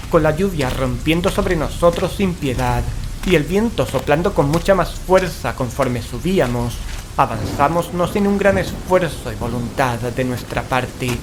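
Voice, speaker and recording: A man's voice: fairly high pitch, background noise, close to an everyday voice. An actor from playing a fearful male paranormal investigator, telling horror in an anxious, ornate, dramatic way. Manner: anxious, ornate, dread-laden delivery. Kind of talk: dramatic first-person horror narration and radio-play dialogue. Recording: dramatic music, rain and thunder behind. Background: music, rain, thunder.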